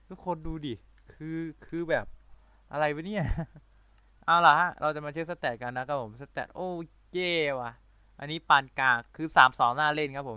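Bright rapid-fire gaming commentator man. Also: fairly high pitch, smooth, no echo. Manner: rapid-fire talker who admits he talks too fast and runs out of breath; excitable, playful, loud exclamations. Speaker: gaming video creator. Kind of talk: excited let's-play commentary.

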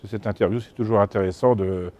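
A man's voice: on the low side, fairly even intonation, fast talker, a little mellow. A man in his fifties from France, an antiques dealer answering informally in an interview. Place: exhibition hall stand, indoors. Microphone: lapel mic.

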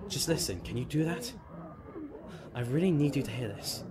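A man's voice: medium pitch, big pitch swings, normal speed, lightly acted. A man playing a curt, grave soldier explaining a zombie outbreak in an audio drama. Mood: grave, insistent. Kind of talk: amateur audio drama acting. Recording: noisy amateur recording.

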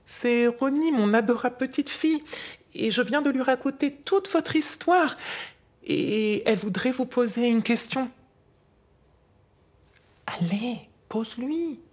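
Husky grandmother. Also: on the high side, animated, unhurried, long pauses, a little mellow. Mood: excited. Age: 60s. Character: grandmother patiently telling a granddaughter wartime history. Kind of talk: scripted storytelling dialogue. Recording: faint music behind.

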